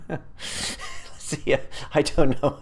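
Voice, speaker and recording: A man's voice: on the high side, steady tone, very slow. Rambling man on a live stream. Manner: rambling and hesitant, many fillers and restarts. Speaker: app developer hosting a live stream. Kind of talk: casual live-stream chat, reading viewer comments.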